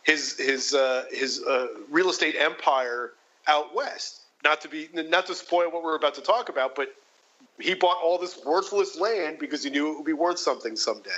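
A man's voice: on the high side, normal speed, fairly bright tone, highs cut off. A man co-hosting a casual film discussion, enthusiastic and building his points through restarts. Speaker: podcast co-host.

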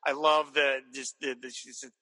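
A man's voice: medium pitch, level tone, moderate pace, pushed and bright, long reverb tail, poor audio. A man chatting casually as a podcast co-host, enthusiastic and rambling, with many restarts. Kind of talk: casual chat reviewing old cartoons.

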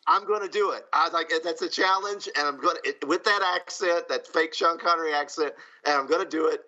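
A man's voice: fairly high pitch, fairly even intonation, fairly quick, bright, forceful tone, muffled recording. Chatty man telling a story on a podcast. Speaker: podcast co-host. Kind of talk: casual podcast chat.

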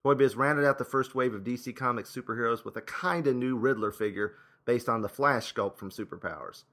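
A man's voice: mid-range voice, brisk, sharp tone. A man hosting with scripted narration and casual, wry asides. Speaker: host and narrator.

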